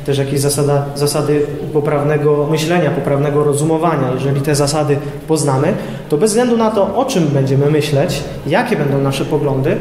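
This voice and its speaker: A young man giving an informal lecture to high school students in a classroom, hesitating often with filler sounds as he explains. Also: fairly quick, mellow. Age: young adult. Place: classroom with projector screen, indoors. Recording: echoey room with long reverb, faint noise.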